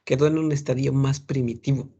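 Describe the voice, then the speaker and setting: Man, French tutor, raspy, gravelly, patient explaining, lots of fillers. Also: medium pitch, steady tone, dark tone, highs cut off. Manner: explains patiently, imitates accents, halting with many fillers. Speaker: French teacher.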